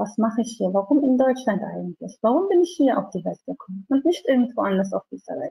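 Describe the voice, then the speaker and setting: Her pitch fairly high and laced with vocal fry, a woman talks at a fairly quick pace with lively intonation. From Turkey, Sivas; Turkey. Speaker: seminar speaker, charity founder; presenter. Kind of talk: lecture. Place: home room. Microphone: webcam.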